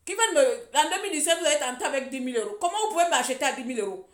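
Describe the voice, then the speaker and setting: A woman's voice: high voice, animated, racing, a bit bright. A woman from Gabon, an activist ranting sarcastically and scolding on a live stream. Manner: mocking, scolding, repetitive. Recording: echoey room.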